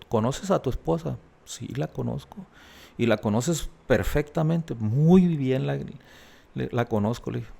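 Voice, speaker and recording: Gravelly-voiced man telling his story. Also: medium pitch, dark tone. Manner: earnest, reenacts dialogue in quoted voices. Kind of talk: personal testimony in an interview.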